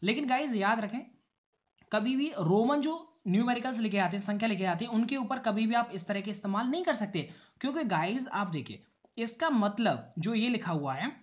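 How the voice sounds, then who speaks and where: A man's voice: high-pitched, lively intonation, fairly quick, highs cut off. Chatty male English teacher explaining step by step. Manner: repeats "guys" often, restarts and corrects himself. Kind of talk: casual explanatory lesson.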